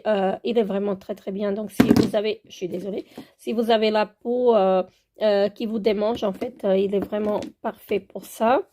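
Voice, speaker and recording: Hesitant French woman, mellow voice. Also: medium pitch. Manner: hesitant, many filler sounds; moves around while handling products. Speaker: beauty vlogger. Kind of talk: casual product show-and-tell.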